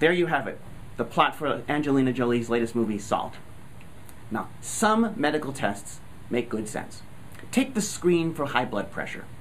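Over light background noise, a man with a fairly high pitch speaks at a moderate pace. His pitch swings very widely, and he takes long, frequent pauses. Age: 50s. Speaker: magazine senior editor. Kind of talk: scripted commentary. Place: office. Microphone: webcam.

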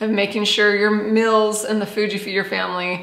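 A woman's voice with audible room echo. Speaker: home cooking vlogger. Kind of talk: casual vlog chat. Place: kitchen.

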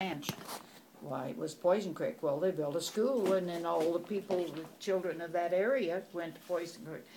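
Noticeable background noise sits under a woman's fairly low-pitched voice. She speaks at a moderate pace with ordinary pitch variation. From Oregon. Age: 90s. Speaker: rancher and local historian. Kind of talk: interview answer. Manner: hesitant, many fillers. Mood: animated, storytelling. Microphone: phone near.

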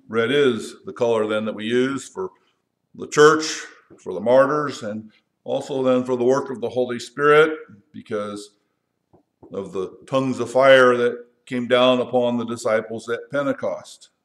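Against a quiet background, a man speaks at a fairly slow pace with ordinary pitch variation and big swings in loudness. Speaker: pastor. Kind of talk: sermon. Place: church.

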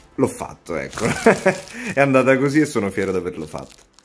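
With faint music in the background, a man talks at a fairly quick pace in an excited tone, his pitch swinging very widely. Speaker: voice actor. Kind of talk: casual unboxing reaction to camera. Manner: excited, moved. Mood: moved, excited, grateful. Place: home room. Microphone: phone near.

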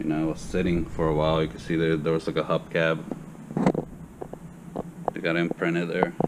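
Loud background noise sits behind the speaker. A man talks at a fairly quick pace. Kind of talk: casual vlog chat. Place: garage. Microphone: phone near.

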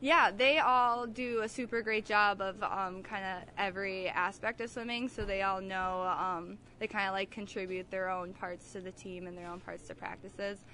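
Over a quiet background, a woman with an American accent speaks with hardly any pauses in a medium pitch, her tone bright and sharp, her intonation fairly even and her loudness swinging widely. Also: moderate pace. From Minnesota. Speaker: college swimmer. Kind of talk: interview.

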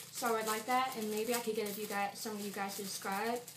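Fairly even intonation over noticeable background noise. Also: woman. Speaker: new vlogger. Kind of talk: casual vlog chat. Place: home room. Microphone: webcam.

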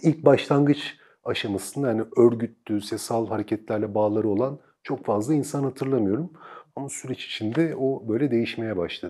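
A man's dark, mellow tone at a moderate pace, with ordinary pitch variation and a quiet background. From Istanbul, Turkey; Turkey. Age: 40s. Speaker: oral history interviewee; interviewee. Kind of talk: oral history interview. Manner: hesitant, many fillers. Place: studio. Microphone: lapel.

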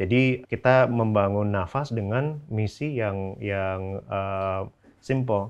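His voice is fairly low, and the man's pitch varies in an ordinary way. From Jakarta, South Jakarta; Jakarta. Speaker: air quality startup founder; guest. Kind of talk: casual interview. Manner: halting, many fillers. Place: studio.

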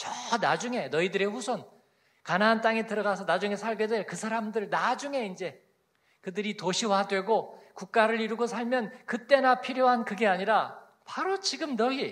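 With a quiet background, a man speaks at a moderate pace in a high pitch, with ordinary pitch variation. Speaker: pastor. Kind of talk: sermon. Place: church. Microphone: handheld.

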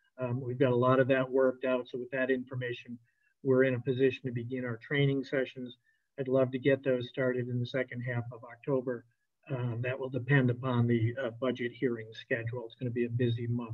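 In a monotone, flat delivery, a man speaks at a fairly quick pace. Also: medium pitch for a man. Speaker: city official reporting to council. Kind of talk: council meeting report. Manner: halting.

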